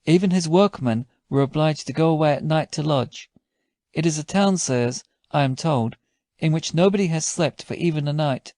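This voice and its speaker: Man reading as a creaky-voiced, talkative country landlord. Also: on the high side, normal speed, darkish tone, no room sound, studio quality, lightly acted. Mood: matter-of-fact. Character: talkative, matter-of-fact country landlord telling local lore.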